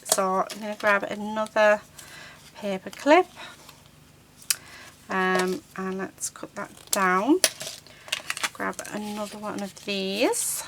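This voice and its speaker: A woman hosting a casual paper-craft tutorial, croaky from a sore throat, chatty and often hunting for words between ums. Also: medium pitch, fairly even intonation, slow pace, pauses often, background noise. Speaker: craft channel host. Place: craft table indoors.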